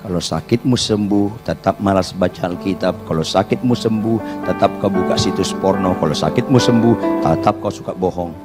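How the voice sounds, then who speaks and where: A male pastor preaching a sermon, telling stories with animation and hammering points home. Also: mid-range voice. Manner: animated, emphatic storytelling, repeats points for emphasis.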